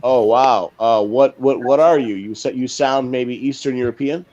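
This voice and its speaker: A man's voice: mid-range voice, moderate pace, darkish tone, dry recording. A man from Chicago hosting a live-stream chat, hesitant and often repeating words as he asks questions. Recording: slightly dull lo-fi sound.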